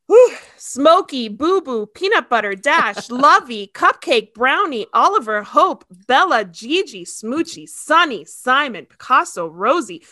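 A woman from Ecuador hosting a casual chat show, bubbly and quick to laugh. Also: sits high, bright, forceful tone, no echo. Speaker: podcast host.

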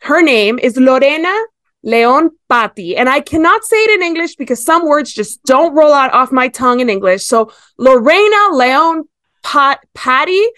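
A woman's voice: high-pitched, lively intonation, normal speed, fairly bright tone, no echo. A woman in her thirties from Ecuador, hosting a pet podcast in a chatty, enthusiastic way. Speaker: podcast host. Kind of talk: casual chat.

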